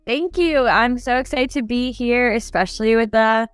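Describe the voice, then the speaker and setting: A young woman born in Turkey and raised in New York appears as a dental student guest on a casual podcast interview, chatting freely and filling her speech with "like" and "um." Her fairly high voice moves at a moderate pace, and the clean recording has no room sound, just soft background music.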